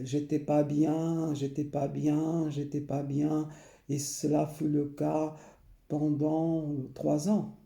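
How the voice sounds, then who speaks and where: A man, recalling his past slowly and hesitantly, often pausing and repeating himself. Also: a little high, gravelly, warm tone, roomy sound. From Portugal. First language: Portuguese. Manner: hesitant, many pauses and repeated phrases. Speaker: memoir narrator. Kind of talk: slow personal recollection.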